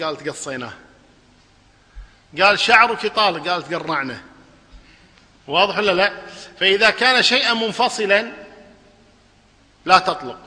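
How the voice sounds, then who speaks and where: A man gives a religious lesson in a high, very bright voice. He keeps the class engaged, asking questions and answering them himself. The sound carries a long reverb, as in a large hall. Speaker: Islamic scholar teaching a lesson. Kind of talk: religious lesson, explaining a text.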